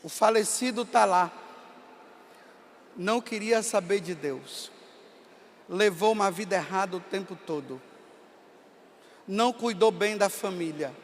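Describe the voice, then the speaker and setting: A Brazilian priest in his fifties with a Bahia accent, telling stories in a sermon and rising to impassioned shouts. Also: sits high, unhurried, long pauses, slight background noise. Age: 50s. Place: large hall at a camp gathering. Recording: long reverb of a large hall.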